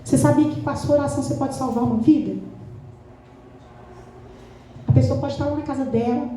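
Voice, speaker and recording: A woman with a Brazilian Portuguese accent preaching a sermon in a church, lively and acting out her own talks with God. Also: sits high, a little fast, slight background noise. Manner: animated, acts out her own dialogues with God. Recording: echoey church hall from far off.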